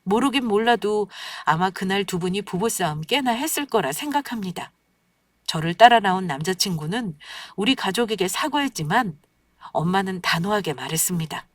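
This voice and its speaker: A young woman narrating a first-person story in an even, scripted way at a middle pitch. Her voice sits a little back from the mic. The sound is dry, with no room around it. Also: moderate pace, dry recording, recorded from a distance.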